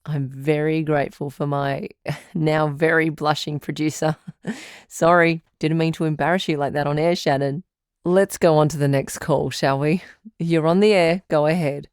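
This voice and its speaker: A woman playing a calm, caring radio advice doctor who hosts a call-in show in a measured, reassuring way. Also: low-pitched, clean tone, no room sound, studio quality, lightly acted. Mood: warm, amused.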